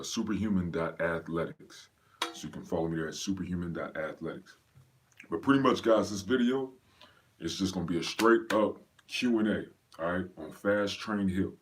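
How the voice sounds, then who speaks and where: Laid-back deep-voiced male coach. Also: a little hiss or hum. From Pennsylvania, raised in North Carolina. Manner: laid-back, greets viewers by name, slangy. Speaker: fitness coach hosting a live Q&A. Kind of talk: casual livestream chat.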